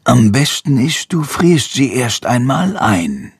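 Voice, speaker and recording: A man voicing a calm, matter-of-fact male vet in a children's audiobook, speaking slowly. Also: medium pitch, slightly rough, dry recording, studio quality, exaggerated voice.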